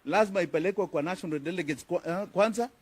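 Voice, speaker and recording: This high, fast, husky male voice belongs to a politician with a Kenyan accent. Facing reporters at a press conference, he responds with firm emphasis and keeps coming back to the same key phrases.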